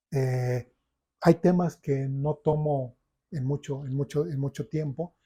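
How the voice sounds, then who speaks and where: A man's voice: a little high, mellow, husky. A man with a Mexican accent preaching a sermon as a pastor in church, emphatic, often checking in with his listeners. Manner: emphatic preaching with frequent rhetorical check-ins.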